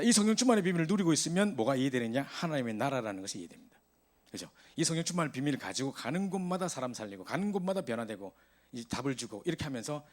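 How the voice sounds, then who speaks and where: Guy preaching to young adults, talks fast, voice jumps all over when he gets worked up. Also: medium pitch. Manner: animated storytelling, voice rising in exasperation. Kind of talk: sermon to a youth service.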